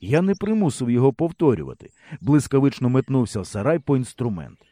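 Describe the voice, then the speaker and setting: A man reading an audiobook in an expressive storyteller's way. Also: medium pitch, quick pace, dry recording. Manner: lively storyteller's delivery. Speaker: audiobook narrator.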